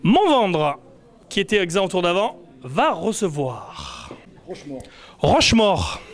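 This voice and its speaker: A man's voice: sits high, huge pitch swings, unhurried. A man presenting a cup draw in a casual, chatty way, with frequent fillers and hesitations. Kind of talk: casual live announcing.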